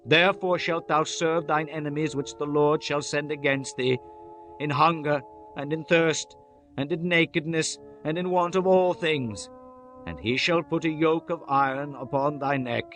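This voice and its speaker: A man's voice: a little high, a little slow, fairly bright tone. Solemn male scripture narrator over music. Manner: solemn, archaic declamation. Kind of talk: dramatized audiobook Bible reading. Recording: music under the voice.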